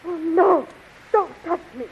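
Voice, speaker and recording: Very high-voiced melodramatic heroine. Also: female voice, slow. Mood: terrified. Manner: breathless, melodramatic. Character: frightened, adoring young heroine in distress. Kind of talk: 1930s radio serial acting. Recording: muffled, hissy 1930s radio recording.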